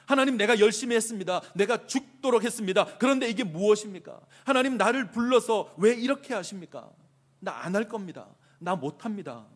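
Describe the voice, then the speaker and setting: A man's voice: on the high side, lively intonation, a little fast, breathy edge. A man voicing a weary, aggrieved male prophet who pleads with God and complains in impassioned rhetorical questions. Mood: anguished.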